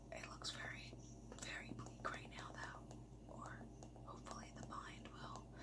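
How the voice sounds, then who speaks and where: The whisper moves very slowly, broken by long pauses that come often. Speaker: ASMR gaming content creator. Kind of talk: casual gameplay commentary to camera. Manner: whispered, soft-spoken. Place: home room. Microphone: phone near.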